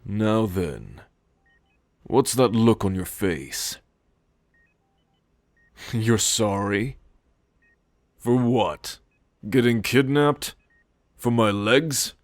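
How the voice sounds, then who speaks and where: A man acting as a proud, stoic werewolf pack leader in an audio roleplay, speaking with deliberate, calm authority. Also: lowish voice, no room sound, exaggerated voice. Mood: gentle, reassuring. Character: proud, stoic male werewolf pack alpha, newly injured. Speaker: voice actor. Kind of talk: audio roleplay drama, spoken to the listener.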